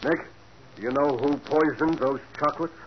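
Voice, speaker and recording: A man's voice: on the high side, normal speed, lightly acted. An actor playing a blunt, matter-of-fact male police sergeant in a 1940s radio drama with a dull, hissy sound.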